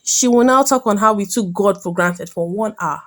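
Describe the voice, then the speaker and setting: A woman's voice: mid-range voice, moderate pace, lightly acted. A woman playing a weary, sardonic Nigerian schoolgirl who narrates her family life in an audio drama, with a Nigerian accent. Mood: wry narration. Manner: wry, dramatic complaining. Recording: music behind the voice.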